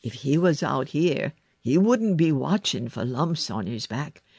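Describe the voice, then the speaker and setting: Woman as a gentle country lad, lively intonation. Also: low-pitched, unhurried, husky, no room sound, heavily acted. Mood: kindly, hopeful. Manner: gentle, plain-spoken rustic. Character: gentle, earthy country lad who loves animals.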